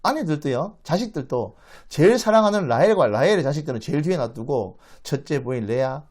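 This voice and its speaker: Guy teaching a bible class like a story, acts out the lines, lots of ups and downs, kind of high voice. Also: a little fast. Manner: animated, acts out the quoted speech, asks the audience questions. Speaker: Bible lecturer. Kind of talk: dramatic storytelling lecture.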